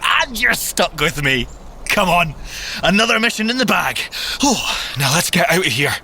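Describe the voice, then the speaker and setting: A man's voice: high-pitched, big pitch swings, normal speed, in a large hall, noisy background. An actor with a Scottish accent playing a playful, teasing scientist agent in an audio drama, theatrical in his delivery. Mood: gleeful teasing.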